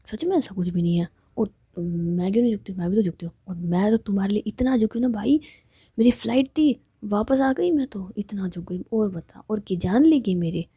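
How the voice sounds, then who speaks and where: Woman doing a proud young girl in love, dark husky half-whisper, dry close sound. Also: medium pitch, brisk, no echo. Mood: coaxing. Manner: soft, half-whispered, sharp when annoyed.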